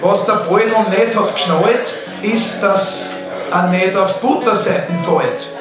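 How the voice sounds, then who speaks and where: Spoken at a very slow pace in a Viennese accent, the voice carries audible room echo with clear music in the background. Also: man. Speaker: performer reading a poem. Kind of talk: dialect verse performance at open stage. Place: bar.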